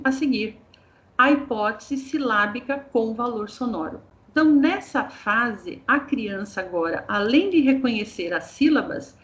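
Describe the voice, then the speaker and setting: A woman's voice: fairly high pitch, dull audio. A woman with a Brazilian accent, a teacher trainer giving an online training talk to a group, explaining patiently and speaking to them directly.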